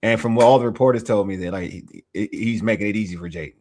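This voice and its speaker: Excitable man talking football, AAVE. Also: on the low side, quick pace. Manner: excitable, laughs often, rambling restarts. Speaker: podcast host. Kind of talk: casual sports chat.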